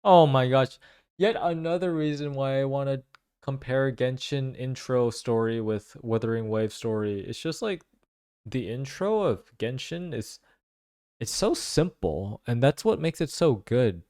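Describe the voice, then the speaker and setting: A man giving casual reaction commentary, thinking aloud in halting phrases. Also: medium pitch, animated, a little mellow, smooth, dry recording, studio quality. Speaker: video commentator.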